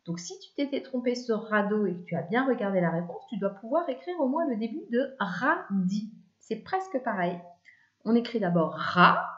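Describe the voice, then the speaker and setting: A woman teaching children to spell two-syllable words, explaining slowly and patiently syllable by syllable. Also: medium pitch. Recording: echoey room, dull lo-fi sound.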